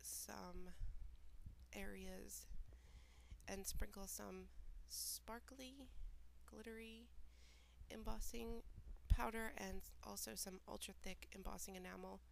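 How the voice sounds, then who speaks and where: A woman with a head cold narrates her craft project, her voice stuffy and nasal, with a gravelly edge. She talks in an even, fairly flat tone, explaining each step plainly and adding small asides. Faint noise sits under the voice. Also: medium pitch, takes it slowly, low-quality recording. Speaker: mixed media artist. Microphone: home voiceover recording.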